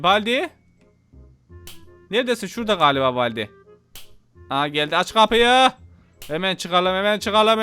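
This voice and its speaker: A man narrates a video game as he plays, excitable and quick to panic, talking to his viewers like friends. His voice sits high and sounds bright and smooth. Faint music plays under his commentary. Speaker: gaming YouTuber. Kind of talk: casual let's-play commentary.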